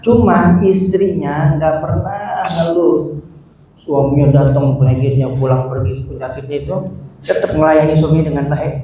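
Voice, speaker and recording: A man's voice: fairly high pitch, steady tone, normal speed, dark tone, far from the mic. A man preaching an Islamic study sermon, telling a story and acting out the characters' lines. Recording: echoey hall, mic from afar, faint noise.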